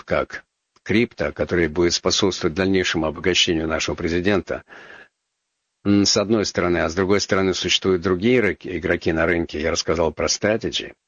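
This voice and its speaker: A man's voice: low-pitched, a bit bright, husky, no echo, lo-fi sound. A man hosting a call-in radio talk show, chatting casually with ironic asides and plenty of filler words. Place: radio studio.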